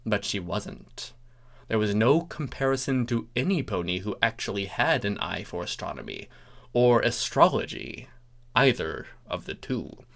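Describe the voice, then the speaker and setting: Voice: mid-range voice, big pitch swings, a little slow, vocal fry, a bit bright. A story narrator reading comic fiction aloud in a theatrical, mock-pompous manner, breaking off for asides.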